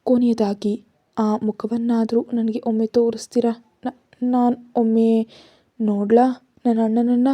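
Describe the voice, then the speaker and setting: A woman's voice: a little high, level tone, normal speed, mellow, no echo, natural voice. A woman voicing a frightened young woman who pleads and later teases her brother, in a storybook reading. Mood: pleading.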